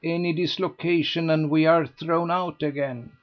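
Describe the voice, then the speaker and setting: A man voicing an excitable, gossipy older society lady who gushes and pleads breathlessly. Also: a little high, moderate pace, muffled recording, pitched above the performer's own voice, natural voice. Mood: imploring.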